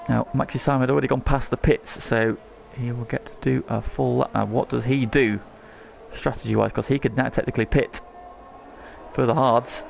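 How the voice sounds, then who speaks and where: A man's voice: mid-range voice, steady tone, normal speed, gravelly, slight background noise. A man working as lead motorsport commentator on a race, calling the action in short present-tense phrases.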